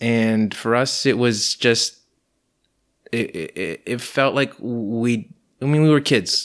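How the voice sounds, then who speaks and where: In an American accent, a man speaks at a very slow pace with medium pitch, on a very clean recording with a silent background. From Cyprus. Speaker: artist. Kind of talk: casual chat.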